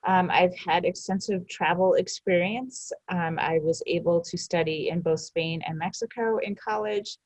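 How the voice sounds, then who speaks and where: A woman's voice: on the low side, normal speed, few pauses, dry recording, rough recording. A woman who teaches French and Spanish, giving a back-to-school night overview with frequent "um" fillers. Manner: many "um" fillers, earnest.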